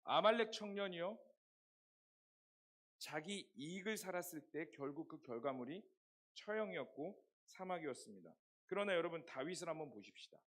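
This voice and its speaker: Young man, youth pastor, hoarse voice, high and very animated sermon delivery. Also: moderate pace. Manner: lively storytelling, rhetorical questions to the congregation.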